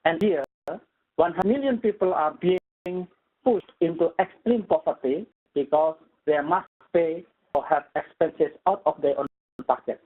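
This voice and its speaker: A man with an Indonesian accent giving a formal academic lecture as a guest professor, speaking haltingly in non-native English. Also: a little high. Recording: tinny phone-like audio.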